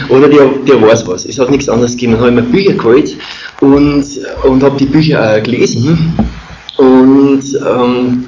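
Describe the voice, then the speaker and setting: A middle-aged man with an Austrian or Bavarian accent tells a personal story informally, in a rambling, halting, colloquial way. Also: mid-range voice. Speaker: speaker telling a personal testimony. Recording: muffled, echoey room with clear noise.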